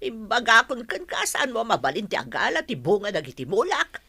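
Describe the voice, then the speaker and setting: A woman's voice: fairly high pitch, huge pitch swings, brisk, slightly rough, heavily acted. A woman playing a scolding older mother. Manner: sharp scolding, then fond and teasing. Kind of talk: audio drama acting.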